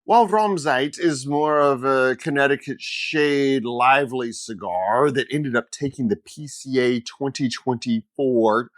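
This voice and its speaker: A man's voice: medium pitch, measured pace, hardly any pauses, no room sound. A man introducing a cigar video as the shop's host, delivering a scripted intro with enthusiastic, playful energy.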